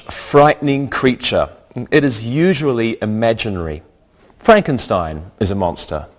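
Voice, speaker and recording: A man hosting a scripted English lesson, speaking carefully and repeating words for learners. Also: fairly low pitch. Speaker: English teacher and host.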